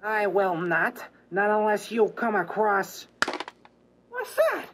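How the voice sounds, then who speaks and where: An aggressive little crook from an old radio crime drama. He is distrustful and slangy, drawing words out slowly with big swings in pitch. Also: huge pitch swings, a bit bright, heavily acted. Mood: angry suspicion. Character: hot-tempered, distrustful male gangster. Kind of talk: 1930s radio drama acting.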